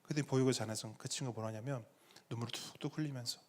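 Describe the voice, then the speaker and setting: A middle-aged man preaching a sermon as pastor, with dramatic pauses and acted-out quotes. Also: mid-range voice, fairly even intonation.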